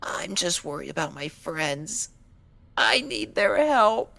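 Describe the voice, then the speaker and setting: A woman's voice: fairly low pitch, lively intonation, slow, creaky, bright, forceful tone, dry recording, heavily acted. A woman voicing a timid, injured young female pony in a dramatized story reading, hesitant and meek, with anxious pleading. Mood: pleading, weary. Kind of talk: dramatized fan fiction reading.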